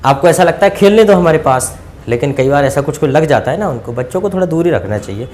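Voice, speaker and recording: Teaching a class English grammar, an Indian-accented man repeats his example sentences, stretches the English ones out very slowly and chats with his students in between. He sounds fairly high-pitched, expressive and darkish, with slight background noise.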